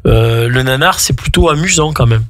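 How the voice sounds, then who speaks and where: A man co-hosting a radio film show, chatting casually and haltingly, often repeating words. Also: medium pitch, a bit bright, no echo, studio quality.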